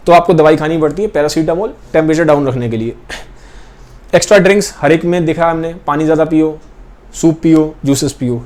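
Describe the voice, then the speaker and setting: A young biology teacher whose voice sits on the high side and sounds a little mellow explains a class lesson. He points at pictures, restates key ideas, and often checks whether his students are with him.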